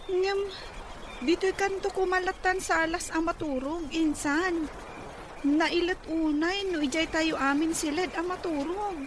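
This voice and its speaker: Dutiful young granddaughter, played by a woman, extremely high drama voice, noisy recording. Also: measured pace. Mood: questioning. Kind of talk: Ilocano audio drama acting.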